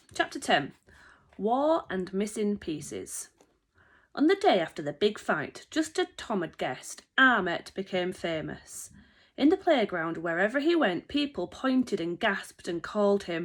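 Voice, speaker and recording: Fairly slow, fairly high-pitched speech from a woman with a Yorkshire accent and very wide pitch swings, on a very clean recording with a silent background. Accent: broad Yorkshire. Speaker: teacher. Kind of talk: reading aloud.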